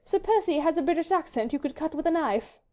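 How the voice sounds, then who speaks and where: Woman playing a high, merry, teasing society lady. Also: animated, fast, darkish tone, dull audio. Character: merry, teasing, witty English baronet's wife.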